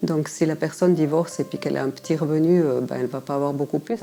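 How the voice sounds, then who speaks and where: At a very fast pace, a woman speaks with a very deep, low pitch and a dark, mellow tone. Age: 60s. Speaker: interviewee, retiree. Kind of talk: personal testimony. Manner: hesitant, many fillers.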